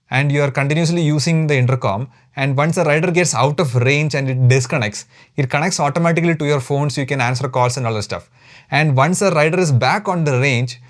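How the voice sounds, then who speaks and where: A man with an Indian accent giving a structured product review, explaining methodically point by point. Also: medium pitch. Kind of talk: structured review narration to viewers.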